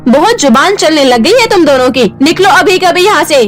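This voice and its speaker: A woman doing a shrill, bossy cartoon stepmother. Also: expressive, brisk, faint music behind. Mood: angry scolding. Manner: shrill, bossy, cruel scolding. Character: harsh scolding stepmother, middle-aged woman.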